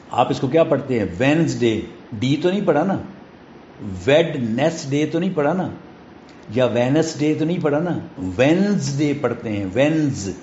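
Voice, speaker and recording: A man with a Pakistani accent teaching a phonics lesson, patiently explaining and reading English sentences slowly, word by word. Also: a little high, a little mellow, a little hiss or hum. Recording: roomy, dull lo-fi classroom recording.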